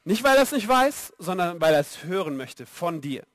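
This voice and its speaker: A young man preaching a sermon, lively and speaking straight to his audience. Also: high-pitched, moderate pace, no echo. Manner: lively, direct address to the audience.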